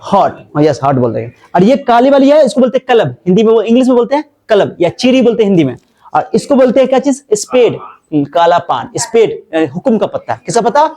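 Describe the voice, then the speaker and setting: Lively high-pitched male maths teacher. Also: fast. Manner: lively, repeats and quizzes students. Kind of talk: classroom lesson.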